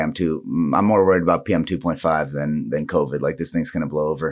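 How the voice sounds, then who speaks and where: With an American accent, a man talks at a fairly quick pace in a very deep, low pitch with vocal fry and ordinary pitch variation against a quiet background. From mixed: Thailand, California, Netherlands, Washington DC. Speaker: martial artist and traveler. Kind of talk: casual interview. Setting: office.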